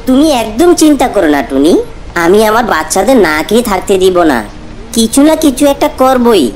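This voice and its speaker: A woman's voice: medium pitch, sing-song, moderate pace, a little mellow, a little hiss or hum, lightly acted. A woman voicing a devoted, brave cartoon father bird, earnest and reassuring. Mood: determined. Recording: music bed under the voice. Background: background music.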